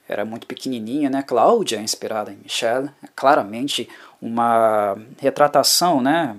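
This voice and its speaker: A man hosting a book club podcast, giving a reflective and heartfelt solo analysis of a novel. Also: medium pitch. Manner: reflective, heartfelt, often tags phrases with a questioning filler. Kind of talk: solo literary analysis monologue.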